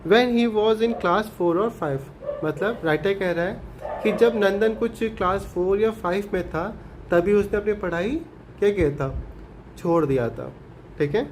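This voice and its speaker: Man, high-pitched, teacher, reads English lines slowly, explains each one, keeps saying okay. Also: noisy background. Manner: asks and answers his own questions, repeats 'okay' often. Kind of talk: explaining an English story lesson in Hindi.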